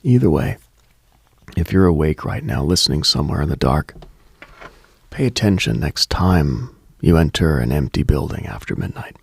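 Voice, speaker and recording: A man hosting a late-night mystical radio show, delivering a scripted monologue in a hushed, contemplative, brooding manner. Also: rumbling low, expressive, normal speed, vocal fry, husky, dry recording.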